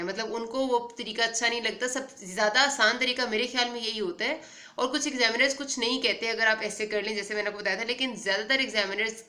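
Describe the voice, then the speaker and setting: Female medical tutor, patient and repetitive, bright voice, echoey room. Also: fairly high pitch. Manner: patient, repeats points, code-switches with English terms. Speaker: medical instructor. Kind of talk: explanatory lecture on instruments.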